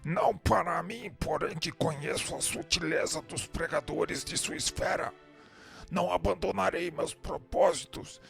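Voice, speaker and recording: A man's voice: fairly high pitch, unhurried, creaky, a bit bright, full character voice. A man playing the embittered, vengeful spirit of a former slave in a radio drama, declaiming accusations defiantly. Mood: scornful, defiant. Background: music.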